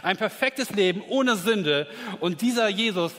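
A man preaches a sermon in a somewhat high voice, leaning hard on key words and climbing to excited peaks before dropping low again. The long reverb of a church hall rings around every phrase. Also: measured pace. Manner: emphatic, rising to excited peaks.

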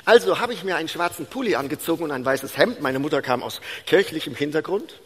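Male pastor, 50s, lively sermon delivery, slightly high voice, long hall reverb. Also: quick pace, husky. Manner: animated storytelling, swings from loud preaching to hushed.

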